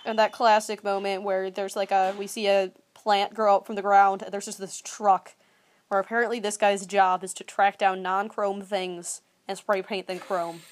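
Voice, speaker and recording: A woman's voice: mid-range voice, level tone, moderate pace. Wry chatty woman podcast co-host. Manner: chatty, wry, sarcastic asides. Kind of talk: casual chat.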